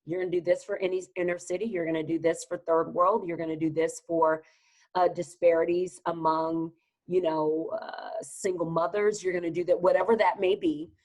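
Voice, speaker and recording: A Texan woman with a Southern accent appears as a guest business advisor on a podcast interview. She talks in an energetic, emphatic, motivational way, with a lowish voice at a normal pace.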